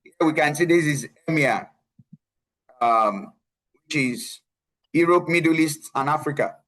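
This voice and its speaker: A man runs a live online career webinar, his voice sitting a little high for a man. He presses his points home and repeats key lines, often tagging them with a quick "right?" to check in with his viewers. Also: fairly bright tone, rough recording. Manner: emphatic, repeats key phrases, frequent tag "right?". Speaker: tech career coach presenting a webinar. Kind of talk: live online presentation with screen share.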